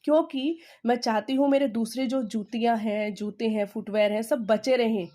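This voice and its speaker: With a slightly high, dark-toned voice and fairly even intonation, an Indian-accented woman teaches English in Hindi. She relies on repetition and "okay?" check-ins, and reads English sentences as slow, stressed dictation in this language lesson.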